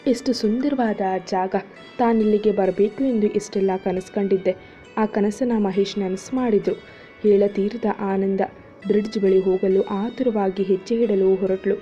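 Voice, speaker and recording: A woman narrating a serialized story in a smooth, even storytelling way. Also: mid-range voice, moderate pace. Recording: dull lo-fi audio with faint music.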